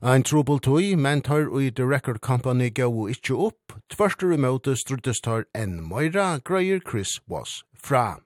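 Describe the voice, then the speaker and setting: A man's voice: medium pitch, lively intonation, dry recording. Dry-voiced male radio host narrating. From Faroe Islands. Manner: measured, reading linking lines. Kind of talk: scripted narration.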